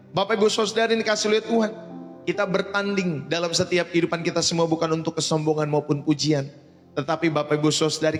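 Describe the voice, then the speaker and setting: A male pastor preaching a sermon in a blunt, colloquial way, often calling out to the congregation. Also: medium pitch. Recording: long reverb with faint music behind.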